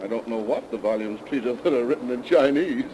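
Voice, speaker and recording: An actor playing a courteous small-town attorney in a 1930s radio drama, speaking formally and precisely on a noisy old broadcast. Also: male voice, medium pitch, a little fast, mellow, lightly acted.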